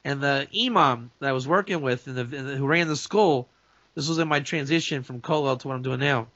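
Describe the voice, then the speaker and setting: A man's voice: medium pitch, fairly quick, fairly bright tone, no echo, muffled recording. A man, a rabbi, talking in a casual, opinionated talk-show chat, emphatic and full of restarts and asides. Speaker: rabbi and guest speaker.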